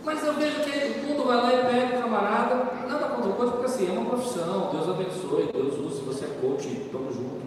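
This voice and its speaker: A man preaching a sermon, telling funny personal stories with animated swings between loud excitement and quiet earnestness. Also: very high voice, fast, few pauses, slight background noise. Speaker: pastor. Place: church hall with congregation. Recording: echoey church hall, mic from a distance. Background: congregation laughing.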